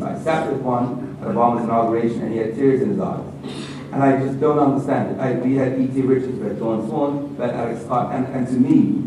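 Amid audible room echo and noticeable background noise, a man talks with ordinary pitch variation. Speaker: panelist. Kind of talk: panel remarks. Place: hall.

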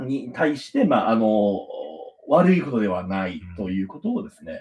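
A man keeps a moderate pace against a quiet background. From Kyushu, Japan; Japan. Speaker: actor; guest actor. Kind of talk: live-stream interview. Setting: live stream. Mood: indignant about industry harassment. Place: studio.

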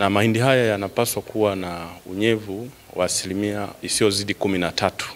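Intonation stays fairly even as a man speaks in a very deep, low pitch. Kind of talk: interview answer. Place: hall. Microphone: handheld.

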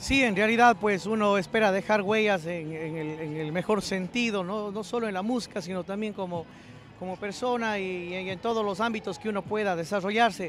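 Pitched high for a man, this voice moves at a moderate pace with fairly even intonation, in a dry sound with no echo and light background noise. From Ecuador, Cuenca. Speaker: singer. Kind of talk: interview. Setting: outdoors. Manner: halting. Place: street. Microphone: handheld.

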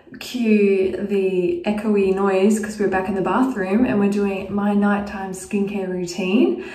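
A woman's voice comes with audible room echo. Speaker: beauty vlogger. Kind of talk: casual vlog chat. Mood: relaxed, chatty. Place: bathroom. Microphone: phone near.

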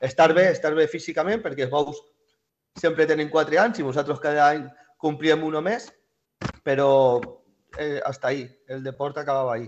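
Leaving long, frequent pauses, a man speaks at a moderate pace with a fairly high pitch and ordinary pitch variation. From Valencia region, Spain. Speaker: amputee athlete, former bull-running participant; interview guest. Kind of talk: interview. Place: home room. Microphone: video call.

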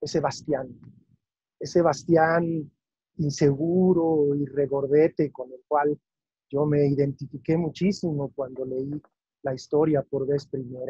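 Heard in a dry, close sound with no echo, a man with a fairly high, somewhat breathy voice and a dark, mellow tone speaks very slowly with fairly even intonation and big swings in loudness. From Mexico. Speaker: actor and storyteller. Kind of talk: book launch presentation talk.

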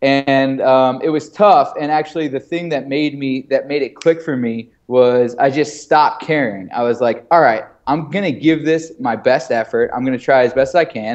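With an ordinary speaking voice and an American accent, a man talks at a moderate pace with ordinary pitch variation and hardly any pauses. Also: fairly high pitch for a man. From Pittsburgh, US. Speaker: sales leader. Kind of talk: casual interview. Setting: video call.

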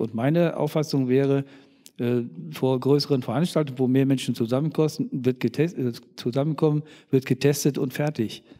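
A man with a fairly high pitch and a dark, mellow tone speaks at a moderate pace with fairly even intonation over a quiet background. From Lower Rhine, western Germany (Wesel); Germany. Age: 60s. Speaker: politician. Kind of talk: panel debate. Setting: lecture hall with audience. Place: hall. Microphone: handheld.

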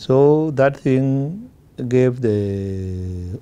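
A man's voice has a dark, mellow tone and ordinary pitch variation. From South Sudan. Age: 60s. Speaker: head of state. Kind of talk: interview answer. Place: hall. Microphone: lapel.

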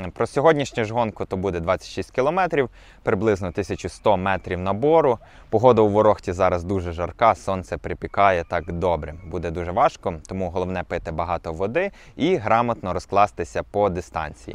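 A man with a very deep, low pitch speaks at a moderate pace in a dry sound with no echo. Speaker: trail runner vlogger. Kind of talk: casual vlog chat. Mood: cheerful, upbeat. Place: street. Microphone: lapel.

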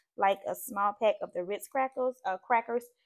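At a moderate pace, a woman is speaking. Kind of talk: casual cooking tutorial chat. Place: kitchen.

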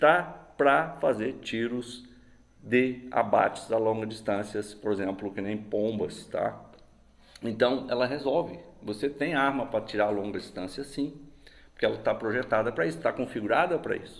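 The man's pitch moves up and down in an ordinary way. His tempo is moderate. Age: 40s. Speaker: airgun shooting youtuber. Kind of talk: casual tutorial to camera. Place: home room. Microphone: camera far.

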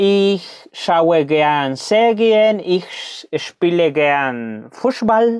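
Against a quiet background, a man speaks at a fairly high pitch. His pitch swings very widely. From Mexico. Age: 30s. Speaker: YouTuber, German learner. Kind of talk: language practice monologue. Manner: halting, with fillers. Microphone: webcam.

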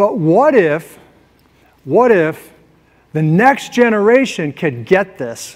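Against a quiet background, a man is talking. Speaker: speaker. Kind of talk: motivational talk. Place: stage. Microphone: lapel.

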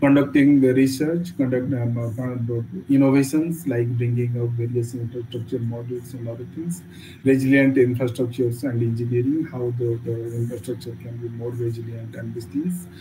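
Somewhat breathy and dark, mellow in tone, a man speaks at a medium pitch with fairly even intonation amid audible room echo. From India, Odisha. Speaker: disaster risk reduction expert. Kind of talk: webinar lecture. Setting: online webinar. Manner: fast; halting, many fillers.

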